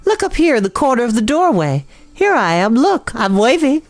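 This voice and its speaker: A woman's voice: on the high side, sing-song, normal speed, no echo, pitched above the performer's own voice. A woman voicing a small female storybook spider, pleasant, proud and matter-of-fact, with a thin, light voice. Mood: friendly. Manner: pleasant, precise, self-assured.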